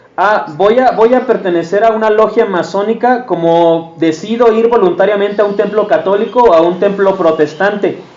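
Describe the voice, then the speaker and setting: Someone speaks at a moderate pace with ordinary pitch variation and very even loudness over noticeable background noise. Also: man, high pitch for a man. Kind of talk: roundtable discussion talk.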